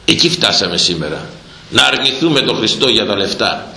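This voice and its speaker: A man preaching a sermon in a fiery, repetitive way, breaking into sudden loud bursts. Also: on the low side, animated, creaky. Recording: roomy echo.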